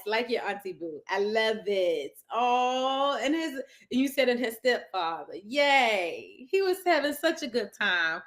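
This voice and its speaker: A woman's voice: a little high, a bit bright. A woman lifestyle coach, hosting a casual live stream from her couch at home, greeting viewers and reading their comments aloud in an effusive, chatty way.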